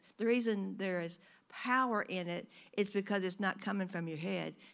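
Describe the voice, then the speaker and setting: A woman with a plain, everyday voice speaks at medium pitch and a moderate pace, her pitch varying in an ordinary way, on a very clean recording with a silent background. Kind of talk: testimony.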